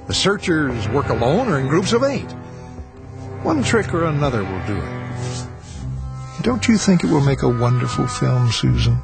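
An actor playing a smooth, scheming male film director who hides a menacing purpose, in a radio drama. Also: mid-range voice. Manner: boisterous, ingratiating host turning menacing. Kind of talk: 1980s radio drama acting. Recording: radio play with music behind.

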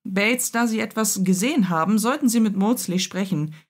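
A woman's voice: mid-range voice, normal speed, natural voice. A woman voicing a stern, commanding aristocratic lord of the manor, impatient with his servants. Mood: puzzled.

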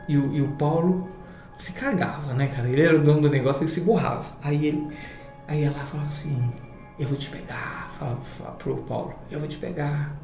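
A Brazilian man tells his story in an interview, animated and salty, his voice sitting a little high. The room around him rings with echo, and faint music plays under it. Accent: Brazilian Portuguese.

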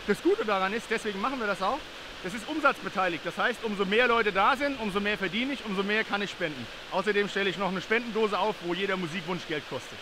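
High-voiced man over rushing fountain water. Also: noisy background. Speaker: DJ taking a charity challenge on camera. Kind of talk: casual presenting to camera. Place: outdoors by and in a large city fountain. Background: splashing fountain.

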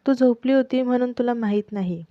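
A caring young woman, voiced by a woman narrating a family drama, gentle and coaxing. The sound is dry and lo-fi. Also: a little high, brisk, no echo, pitched above the performer's own voice, close to an everyday voice. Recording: dull lo-fi, dry close mic.

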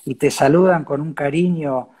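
A man in his fifties with a Cordoba Argentine Spanish accent, hosting a conversational interview in a halting manner on a video call. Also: a little high, steady tone, dark tone, breathy edge. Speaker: interview host.

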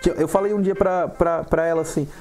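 A man with a Brazilian Portuguese accent, a comedian guest on a talk show, telling stories in an animated way and acting out what people said. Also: fairly high pitch, fast talker, soft background music. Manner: animated storytelling, acts out quotes. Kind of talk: casual talk show interview.

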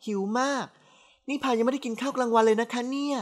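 A woman's voice: high-pitched, steady tone, fast, pitched above the performer's own voice. A woman reading a novel aloud, voicing a playful, sassy young woman who teases her aunt. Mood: teasing. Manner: bright, coaxing and sassy. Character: playful cheeky young woman, teasing niece.

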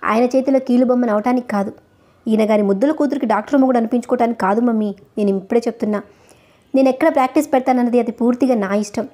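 A woman's voice: fairly high pitch, very fast, dark tone, close to an everyday voice. A woman reading the lines of an angry young male doctor who defies his mother, with bitter, scornful retorts.

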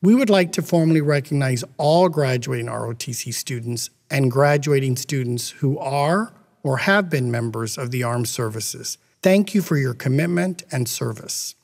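A middle-aged man presenting graduates at a university ceremony in a measured, formal way, speaking at a podium on stage. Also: mid-range voice, animated, gravelly, a little mellow. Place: stage with podium and red curtains. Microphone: podium mic. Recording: long hall reverb.

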